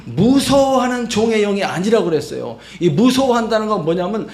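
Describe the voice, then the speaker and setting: Male pastor, high voice, emphatic sermon delivery, echoey church room. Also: sing-song, brisk, darkish tone. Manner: emphatic, acts out quoted voices, fills with 막 and 응. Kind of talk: Sunday sermon. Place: church sanctuary.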